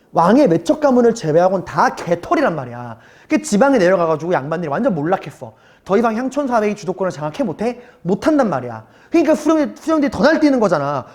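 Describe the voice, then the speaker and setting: A man's voice: high voice, darkish tone. A man teaching a middle school history class in a recorded online lecture, talking to his students casually and asking them rhetorical questions. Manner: switches between polite and casual speech.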